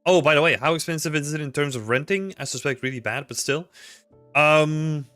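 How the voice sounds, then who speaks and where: Bright-voiced Belgian man chatting casually. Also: fairly high pitch, fairly quick, soft background music. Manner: rambling, filler-heavy, answers chat questions. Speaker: livestream host. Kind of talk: casual livestream chat with viewers. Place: small home room indoors. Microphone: desk mic with headphones.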